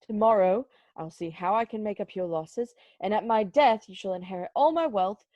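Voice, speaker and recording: A woman's voice: mid-range voice, moderate pace, no room sound, muffled recording, close to an everyday voice. A woman playing an old male miser, giddily reformed and penitent, in an amateur dramatic reading full of exclamations. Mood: generous cheer. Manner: exclamatory, effusive.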